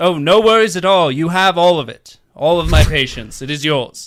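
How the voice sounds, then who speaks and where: This is a man doing a put-on character voice. His pitch sits high. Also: moderate pace. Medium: actual play. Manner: formal, measured.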